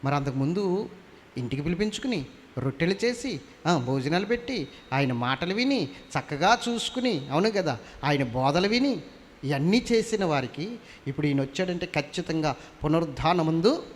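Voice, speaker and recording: A man's voice: on the high side, animated, normal speed. A male pastor preaching a sermon, constantly questioning the congregation and climbing to fervent emphasis in a church hall.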